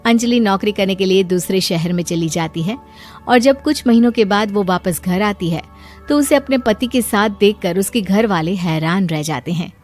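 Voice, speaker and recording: A woman giving scripted narration for an animated moral story. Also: medium pitch, moderate pace, faint music behind.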